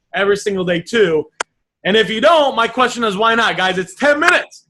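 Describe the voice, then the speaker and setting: This man's voice is raised and projected, pitched high. His tone is bright and sharp, and his intonation is lively. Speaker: reselling business coach. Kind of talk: group video chat coaching. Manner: animated.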